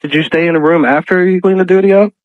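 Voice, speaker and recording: A man's voice: high-pitched, steady tone, quick pace, no echo, narrow, tinny audio. A man acting as a radio sidekick, tossing needling remarks into casual comedic banter. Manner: needling, heckling interjections.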